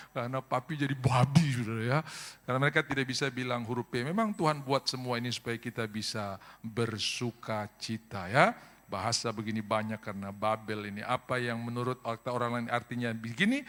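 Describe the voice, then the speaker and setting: A man's voice: moderate pace, a bit bright. A middle-aged male pastor preaching a sermon, telling stories with humor and acting out voices, often calling out to the congregation. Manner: humorous storytelling, acts out voices with big pitch jumps; addresses congregation as brothers and sisters.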